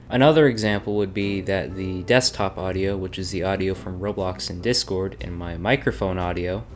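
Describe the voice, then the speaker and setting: A young man who sounds bored and flat, narrating a casual Q&A video as a YouTuber. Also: fairly low pitch. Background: background music.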